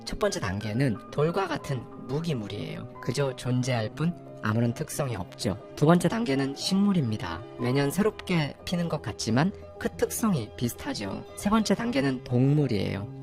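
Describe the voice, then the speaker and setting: A man's voice: medium pitch, creaky, darkish tone. A man in his forties hosting a reflective motivational talk, speaking straight to his listeners and posing rhetorical questions. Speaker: channel host.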